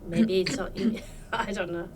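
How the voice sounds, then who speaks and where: A woman's voice: medium pitch, fairly even intonation, slow, far from the mic, noisy background. A woman from Iran, a podcast guest, talking about her life in a thoughtful, hesitant way with many fillers. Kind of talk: casual interview chat.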